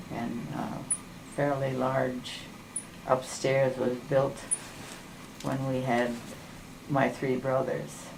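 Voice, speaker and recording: In an American accent, a woman with a very deep, low pitch speaks very slowly in a monotone, flat way, leaving long, frequent pauses, with audible room echo and noticeable background noise. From Minnesota, Minneapolis. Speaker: podiatry patient. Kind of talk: casual chat. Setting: podiatry office. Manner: halting.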